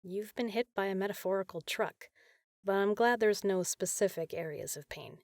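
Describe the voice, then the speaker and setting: A woman playing a caring, teasing big sister in an intimate comfort roleplay, talking softly and casually. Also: medium pitch, normal speed, no room sound, studio quality, natural voice. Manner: soft, soothing, casual, playful.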